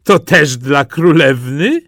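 A man's voice: on the high side, expressive, slow, fairly bright tone, dry recording, clean studio sound. A man voicing two smug, learned brothers who mock their simple sibling in a storybook reading. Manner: scornful and mocking.

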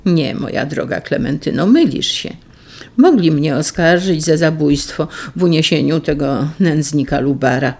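A reader voicing a proud young man on the run in an audiobook, solemn and resolute, with some vocal fry. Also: on the high side, lively intonation, normal speed, darkish tone. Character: young outlaw lover, proud and defiant. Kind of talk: audiobook reading.

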